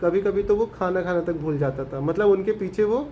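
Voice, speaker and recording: Male teacher, high voice, explains an English story in Hindi, asks and answers his own questions, faint noise behind. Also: highs cut off. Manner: reads English lines slowly, then explains them.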